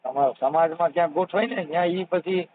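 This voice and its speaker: Teasing and persistent, a social worker on a casual phone call speaks fast in a voice on the high side, with a Kathiawadi Gujarati accent. It's a tinny, narrowband phone recording.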